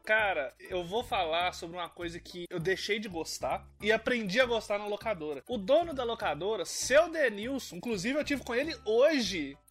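A man's voice: sits high, expressive, normal speed, hardly any pauses, a bit bright, faint music behind. A thirty-year-old man, telling a story in a laid-back casual podcast chat. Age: 30s. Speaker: podcast co-host.

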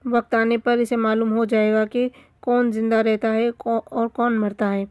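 A bold jungle hero who gives stern, decisive orders, as a woman reads him aloud. His voice is a little high and stays level. The sound is dry, with no room echo. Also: little pitch movement, darkish tone, dull audio, close to an everyday voice.

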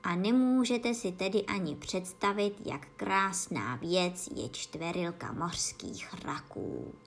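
A woman's voice: lowish voice, animated, vocal fry. A woman voicing a sad, tearful sea-turtle creature in a bedtime storybook reading. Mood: mournful. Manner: tearful, slow and mournful.

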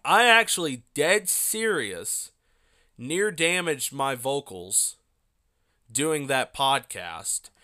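A man's voice: mid-range voice, very animated, takes it slowly, sharp tone. A young man hosting his own podcast, chatting casually and rambling with lots of fillers. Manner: rambling, loose with many fillers and asides. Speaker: podcast host. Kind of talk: casual solo podcast talk.

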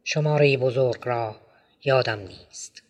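A man with a mid-range voice narrates a novel as an audiobook, reading expressively and raising his voice for the quoted lines.

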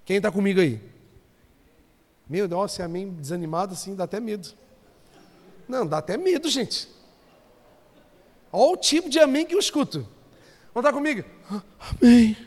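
A man's voice: high-pitched, expressive, moderate pace, long pauses. A man preaching as a pastor, joking and calling out to the congregation. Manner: conversational, joking, calls out to the congregation. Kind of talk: sermon. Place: church hall. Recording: long reverb of a church hall.

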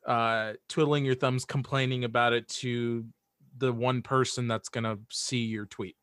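A man with a medium-pitched voice talks as a guest in a casual, opinionated discussion. He is earnest and repeats himself to press a point, in a dry recording. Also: level tone, measured pace, a bit bright, clean tone, no room sound. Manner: earnest, repeats phrases for emphasis. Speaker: podcast guest.

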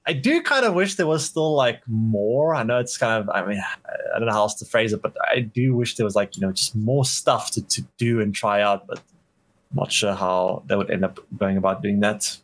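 A man's voice: on the low side, moderate pace. A man co-hosting a gaming podcast in casual chat, rambling with many fillers. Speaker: podcast co-host.

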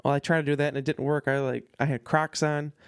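A man co-hosting a podcast, telling stories in a casual, animated way. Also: fairly high pitch, clean tone, no room sound, clean studio sound. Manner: quick, animated storytelling. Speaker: podcast co-host. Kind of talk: casual chat. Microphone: studio podcast mic.

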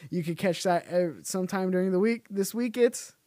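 A man's voice: sits high, normal speed, warm tone, dry recording, clean studio sound. A man hosting a podcast, chatting casually, joking and laughing often, swearing now and then. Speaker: podcast host. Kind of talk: casual chat.

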